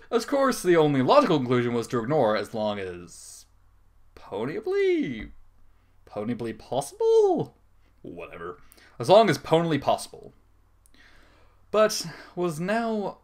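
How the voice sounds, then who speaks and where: A man reads comic fan fiction with a bright, forceful voice and very lively pitch. He is theatrical and irreverent, slipping into casual, sweary asides. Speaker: narrator reading fan fiction.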